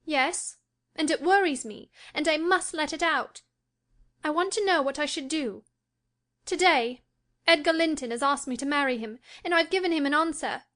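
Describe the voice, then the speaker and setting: A woman's voice: high-pitched, moderate pace, fairly bright tone, voice pushed up. A woman voicing a peevish, anxious young lady in an audiobook, impulsive and emphatic in her pleading. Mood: anxious, confiding. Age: young adult. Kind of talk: audiobook character acting.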